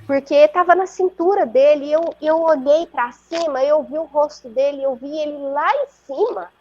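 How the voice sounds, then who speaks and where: Her voice is high with a darkish tone at a normal speed as this Brazilian Portuguese-accented woman, an interview guest on a video call, tells a story earnestly and vividly, repeatedly checking in with her listener. The audio is muffled and lo-fi with slight background noise.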